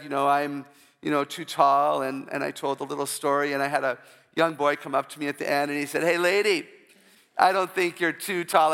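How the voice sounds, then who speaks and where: In a large hall, a Christian speaker with a low, gravelly voice that is often mistaken for a man's gives an inspirational church talk. Her tone is fairly bright, and she fills the talk with humorous personal stories and call-outs to the audience.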